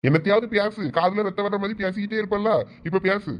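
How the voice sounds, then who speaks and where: A man's voice: sits high, steady tone, fast, slight background noise, natural voice. A man voicing a sly, scheming young man in a cartoon, with a Thoothukudi Tamil accent. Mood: coaxing. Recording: dull lo-fi sound.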